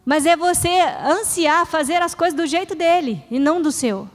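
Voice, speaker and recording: A woman's voice: extremely high pitch, moderate pace. A middle-aged woman pastor preaching in a church, earnest and conversational, acting out short prayers. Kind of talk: sermon. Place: church hall. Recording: reverberant church hall.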